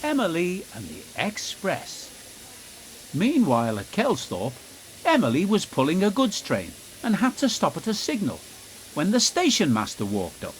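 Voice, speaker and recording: A man's voice: sits high, wildly swooping pitch, unhurried, a little hiss or hum, low-quality recording. A man narrating a scripted children's story as a storyteller.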